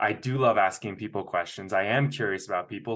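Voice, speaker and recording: The man's voice is medium in pitch, and his intonation stays fairly even. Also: quiet background. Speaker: podcast co-host. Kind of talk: interview conversation. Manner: fast; rambling, hesitant fillers.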